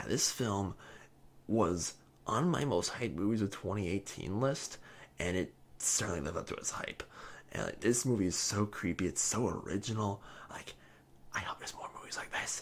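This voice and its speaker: A man puts on a raspy character voice, quiet and fairly low, with ordinary pitch variation. He speaks at a moderate pace with long, frequent pauses. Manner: quiet, hushed.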